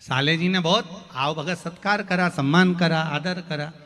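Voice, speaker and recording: Bright-voiced man preaching a story sermon. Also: fairly high pitch, a little slow. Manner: lively storytelling, acting out characters' lines. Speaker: religious storyteller. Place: large festival tent before a crowd. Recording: long hall reverb, faint music.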